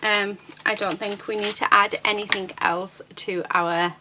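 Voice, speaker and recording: A woman's voice: medium pitch, fairly even intonation, a little slow, noisy background. A woman hosting a casual, chatty craft demonstration at a desk, with an enthusiastic, chirpy manner. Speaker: crafting channel host.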